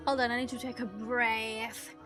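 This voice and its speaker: A woman's voice: fairly high pitch, level tone, moderate pace. A woman streamer chatting casually on a livestream, muttering to herself, exclaiming and slipping in Japanese phrases. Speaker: streamer voicing a visual novel. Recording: music behind the voice. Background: music.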